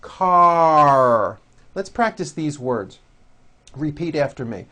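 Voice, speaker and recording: A man teaching English pronunciation, modeling words and sentences slowly and deliberately for learners to repeat. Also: on the high side, animated. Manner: slow, deliberate, over-articulated model words. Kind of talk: pronunciation drill lesson.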